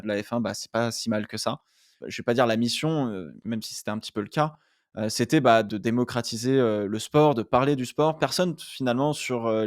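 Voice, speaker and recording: A man in his late twenties, a content creator answering interview questions in a relaxed, thoughtful way, with many fillers and restarts. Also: mid-range voice, no echo, studio quality. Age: late 20s. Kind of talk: casual interview talk.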